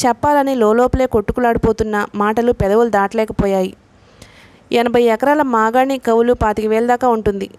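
A woman reading a novel aloud in a steady, measured way, voicing the dialogue herself. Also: a little high, no room sound. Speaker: audiobook narrator.

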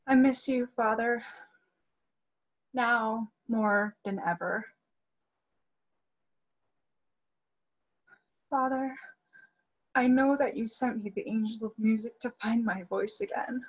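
A woman's voice: a little high, a little slow, highs cut off. A young woman acting an earnest, grieving young soprano devoted to her father in a dramatic play reading. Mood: mournful. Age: young adult. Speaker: actress in a virtual staged reading. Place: indoor room, video call. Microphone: video call microphone.

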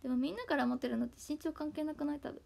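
A young woman with a Hakata dialect, chatting casually on her livestream from home and thanking viewers, often slipping into soft whispery asides. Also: high voice, rapid-fire, creaky. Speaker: idol livestream host. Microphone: tablet built-in mic.

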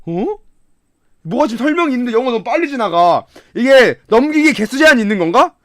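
Excitable high-voiced streamer, close and dry. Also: male voice, brisk, no echo. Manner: excitable, swings from mumbling to shouting and laughing. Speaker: gaming streamer. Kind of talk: casual game commentary.

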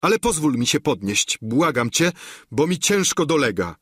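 A man's voice: fairly high pitch, animated, a little slow, a bit bright, no room sound, clean studio sound, voice pushed up. A man voicing a defeated knight who begs and submits in an audiobook. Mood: pleading. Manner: begging, submissive.

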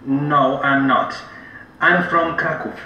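A man reading scripted dialogue lines and numbered cues for recorded course audio, slowly and carefully enunciated. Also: medium pitch, recorded from a distance, a little hiss or hum, lightly acted. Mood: plain. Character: friendly adult man in a textbook dialogue. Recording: roomy, dull audio played through a speaker.

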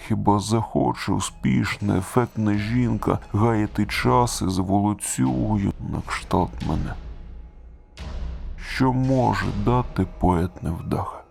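Deep-ish raspy guy narrating a creepy story, hushed and whispery, faint music under it. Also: slow. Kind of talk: scripted first-person narration.

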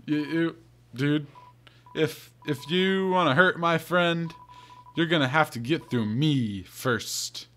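A man voicing a clumsy, excitable young monster in a video game, hesitant and slangy, stammering as he goes. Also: on the high side, slow, a little hiss or hum. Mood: scared but brave. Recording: game music behind the voice.

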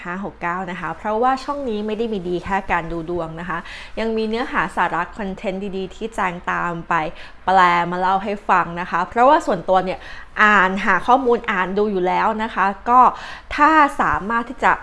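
A young Thai woman hosts her own astrology and advice vlog, casually explaining and translating tips with lots of fillers and polite particles. Her medium-pitched voice is a bit bright and a little fast.

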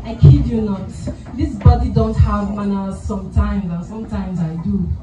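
A young woman, possibly with a Nigerian English accent, performing spoken word poetry into a handheld mic in a lounge, soft and measured, building to emphatic lines. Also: mid-range voice, steady tone, dull audio. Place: small lounge venue, indoors. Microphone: handheld mic, filmed by phone from the audience. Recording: roomy, distant, loud music behind.

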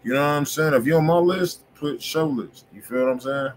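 A man's voice: a little high, fairly quick, slight background noise. A man hosting a music review livestream from a room at home, talking loosely in slang and calling out to his viewers. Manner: loose slangy talk, calls out to chat. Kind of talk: casual livestream chat.

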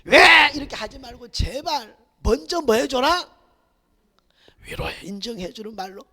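Male pastor, lively up-and-down pitch, gravelly bright edge, shouts then hushes, long church reverb. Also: measured pace. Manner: swings between loud shouted exhortation and hushed near-whispers, repeated hallelujahs. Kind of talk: Sunday sermon. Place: church sanctuary.

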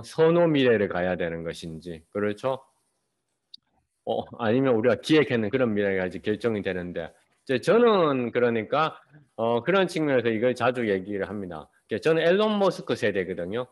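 A man in his fifties giving an online lecture over a webcam, explaining step by step and answering his own rhetorical questions. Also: medium pitch. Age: 50s. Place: small room, indoors. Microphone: webcam on a video call.

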